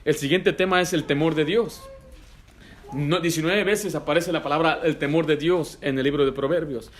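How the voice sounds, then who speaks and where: A man's voice: fairly high pitch, fairly even intonation, moderate pace. A middle-aged man preaching a sermon to young people in a church, direct and emphatic, firing rhetorical questions and dropping in English phrases. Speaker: pastor.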